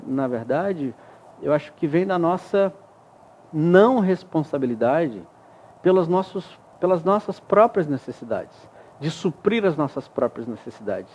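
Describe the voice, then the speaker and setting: Man, studio interview guest, explanatory, keeps checking understanding, fairly high voice, warm mellow tone. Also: lo-fi sound. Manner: reflective, explains with examples and frequent tag questions. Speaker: guest expert.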